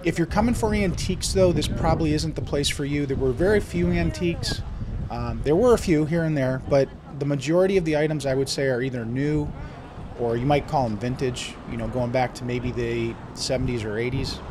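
A man's voice: medium pitch, brisk, background noise. A man with a stuffed-up voice from a cold, chatting easygoingly as he narrates his flea market vlog.

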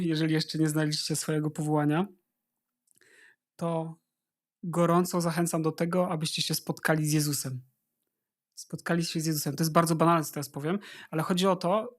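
A man giving informal spiritual advice as a guest, earnestly urging listeners and addressing them directly. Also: high voice. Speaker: interview guest, religious brother.

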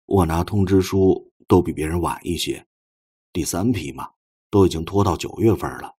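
一名男播讲者在有声小说里扮演一个腼腆笨拙、真诚而怀着哀思的年轻男人，说话磕磕绊绊。. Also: male voice, sits low, dark tone, breathy edge. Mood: quiet sorrow. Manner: halting, stammering, awkward. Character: shy, clumsy, earnest young man, tenderly grieving. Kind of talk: audiobook character dialogue.

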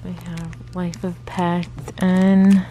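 A woman in her thirties muses aloud through a face mask as she browses store shelves, filming on her phone. Her voice sits a little low and she talks at an unhurried pace. Store noise is plain behind her. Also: level tone, mellow. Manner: chatty, musing aloud while browsing. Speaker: vlogger. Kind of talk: casual shop-with-me narration. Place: large store indoors. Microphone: handheld phone camera. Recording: noisy store ambience.

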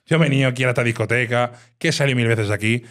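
A man with an animated storytelling manner, recounting his time as a nightclub bouncer in a casual interview. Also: mid-range voice, rapid-fire. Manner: animated storyteller, acts out quoted dialogue.

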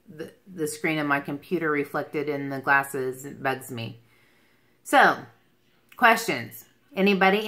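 A woman of about forty-six hosts a casual livestream from a room at home. Her voice sits a little low but has a clear, bright edge. She talks in a loose, rambling way, hopping between thoughts as she takes questions. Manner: rambling, jumps between topics. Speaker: beauty livestream host. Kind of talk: casual livestream chat answering viewer questions. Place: small furnished room at home, indoors.

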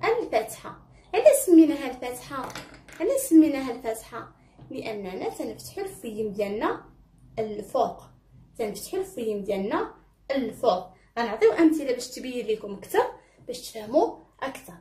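A woman's voice: fairly high pitch, big pitch swings, warm tone, reverberant. A woman with a Moroccan Arabic accent giving a children's phonics lesson, cheering pupils on and drawing out repeated syllables. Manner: encouraging, drawn-out repeated syllables. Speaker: teacher.

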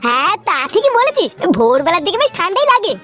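A man's voice: very high-pitched, wildly swooping pitch, fast, pushed and bright, soft background music, heavily acted. A man voicing a chatty, gossipy club friend in a comedy cartoon.

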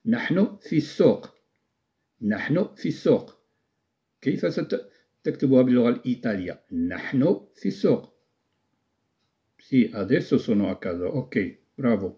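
A man with a Moroccan Arabic accent teaching Italian in a live-stream lesson, repeating words slowly, quizzing his viewers and praising their answers. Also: mid-range voice, warm tone.

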